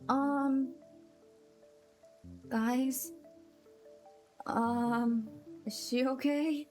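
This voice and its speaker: A woman livestreamer giving casual game commentary and chatting to viewers in a soft, hesitant, musing manner. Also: high-pitched, steady tone, drawn-out words, faint music behind.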